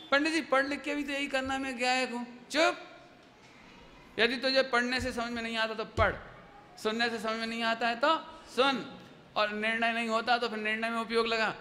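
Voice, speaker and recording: A man giving a devotional sermon to an audience, telling stories and asking his listeners questions. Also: high voice. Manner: lively storytelling, asks the audience questions. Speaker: religious teacher giving a discourse. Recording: long hall reverb with faint background noise.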